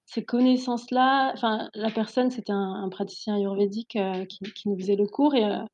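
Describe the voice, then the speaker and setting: A woman's voice: mid-range voice, fairly even intonation, fairly quick, a little mellow. A woman from France, an Ayurvedic therapist, talking casually as a guest in an interview, with frequent laughs and many hesitations. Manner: laughs often, many fillers and restarts.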